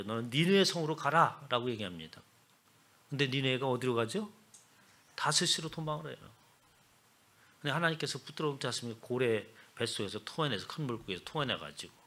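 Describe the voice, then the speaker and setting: Lively, forceful male preacher. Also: medium pitch. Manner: dramatic storytelling, swinging between loud exclamations and hushed asides. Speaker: pastor. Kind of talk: sermon.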